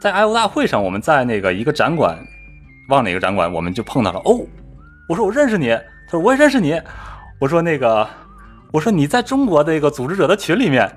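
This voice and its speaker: Male podcast storyteller, pitch swings wide, lively and mimicking, casual chat. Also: quick pace, faint music behind. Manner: animated storyteller, mimics voices. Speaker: podcast co-host telling a travel story.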